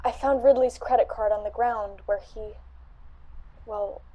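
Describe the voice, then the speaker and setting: A woman's voice: on the high side, fairly even intonation, a little slow, dark tone. A woman playing an earnest, caring female friend of a detective in an amateur radio drama. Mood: hesitant.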